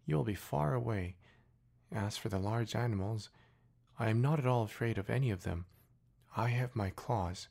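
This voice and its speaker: A man's voice: on the low side, moderate pace, vocal fry, a little mellow. A man reading an audiobook voices a proud, delicate young female flower with a pleading yet haughty manner. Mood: proud, wistful. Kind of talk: audiobook character voice.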